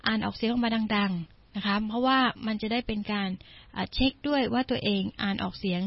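A woman's voice: on the high side, a little fast, dry recording, muffled recording. A woman English teacher reading a children's story and patiently explaining each word for her listeners. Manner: patient, explains words one by one. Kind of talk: bilingual storytelling lesson for listeners.

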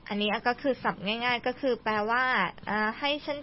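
This young female host leads a radio-style language lesson, chatty and full of prompting questions for her guest. Her voice is fairly high and a little fast, captured on a dull lo-fi recording.

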